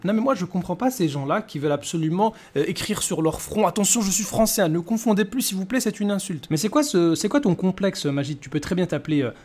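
A man's voice: high-pitched, lively intonation, fast talker, hardly any pauses, darkish tone. A man in his thirties giving a conversational rebuttal as a video host, with mocking, rhetorical questioning. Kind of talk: conversational rebuttal commentary to camera.

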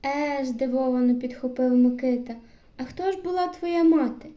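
A woman's voice: sits high, fairly even intonation, normal speed, reverberant, dull audio, close to an everyday voice. Woman voicing a sly taunting village boy. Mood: mocking. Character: mocking teasing village boy.

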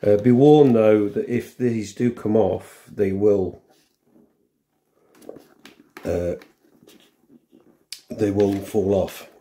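A middle-aged man talks through a practical job at home in a casual, unscripted way. His voice is mellow and halting, thinking aloud as his hands work, with background noise and small clicks around him. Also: on the low side, steady tone. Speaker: vlogger demonstrating a helmet intercom fitting. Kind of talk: casual hands-on tutorial chat. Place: room at home, indoors.

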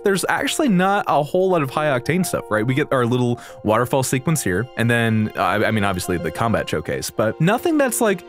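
Animated, gushing young-sounding gamer guy. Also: mid-range voice. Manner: slangy, exclamatory, gushing fan talk. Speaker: video game reaction streamer. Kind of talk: casual excited reaction commentary. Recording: game music behind the voice.

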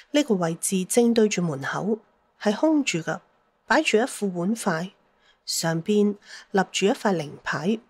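A woman's voice: mid-range voice, a little mellow. A woman telling a dramatised story as an audiobook narrator, with a Cantonese accent.

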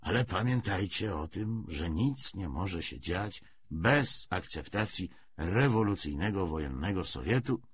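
A man voicing a self-assured, commanding political commissar who lectures emphatically and deliberately in an audiobook. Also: low-pitched, expressive, husky, dull audio, voice pushed down, full character voice. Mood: brisk, official. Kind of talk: audiobook character dialogue.

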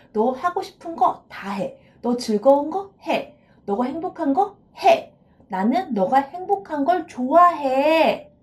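Woman psychologist, video lecture, playful, expressive, animated intonation, somewhat high voice. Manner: playful, expressive, acts out dialogues. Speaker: counseling psychologist. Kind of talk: video lecture on self-esteem.

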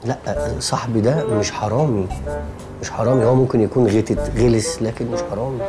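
A man's voice: mid-range voice, fairly even intonation, brisk, music in the background, lightly acted. A man with an Egyptian accent playing a flustered young man who keeps losing patience. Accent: Egyptian Arabic. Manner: patient at first, then exasperated and shouting. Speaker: young man hosting a friend and a classmate. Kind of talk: sitcom acting.

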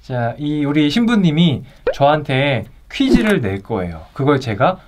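A man's voice: a little high, very animated, a little slow. A game segment on an online talk show, a lighter-voiced man in his thirties presenting with swooping intonation. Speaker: interview show host. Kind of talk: lively quiz-game hosting. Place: small studio with acoustic foam, seated at a table.

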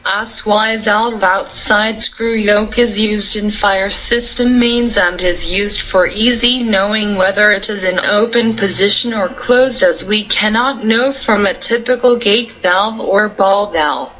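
A woman reading out a numbered list of technical interview questions and answers in a flat, even way. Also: mid-range voice, measured pace, hardly any pauses, lo-fi sound.

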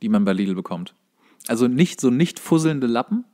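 A man's voice: medium pitch, lively intonation, moderate pace, a little mellow. Man in wry, casual podcast banter. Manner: jokey, wry interjections. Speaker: podcast co-host.

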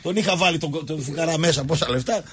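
A man's voice: fairly high pitch, slight background noise. A man, a sports radio host telling a rowdy, slangy story and acting out a fight with sound effects. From Thessaloniki, Greece. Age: 50s. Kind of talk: boisterous storytelling chat.

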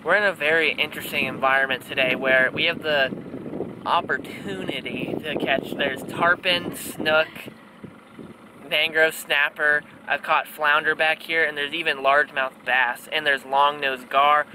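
A man's voice: a little high, fairly even intonation, a little slow. A young American man chatting casually as a fishing vlogger on a boat. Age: young adult. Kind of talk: casual vlog chat. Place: outdoors on a small boat on backwater. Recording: outdoor boat noise, water ambience.

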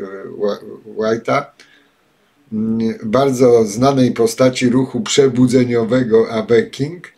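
An older man giving spoken commentary and reading passages aloud, pausing often with filler sounds, recorded at a desk webcam in a home study. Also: medium pitch, darkish tone. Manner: halting, many filler sounds. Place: home study with bookshelves, indoors.

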